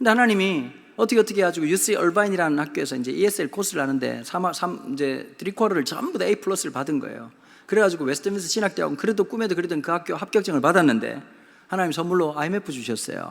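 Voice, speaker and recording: Talking at a very fast pace, a man with a high voice uses lively intonation. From Korea, Gyeongsang region. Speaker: pastor. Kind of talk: sermon. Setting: church. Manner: animated.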